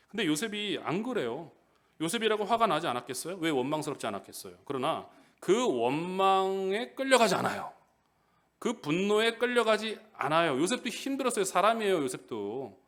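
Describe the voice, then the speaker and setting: Lively, high-voiced male pastor preaching. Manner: animated, calls out questions to the congregation. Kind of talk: sermon. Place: church.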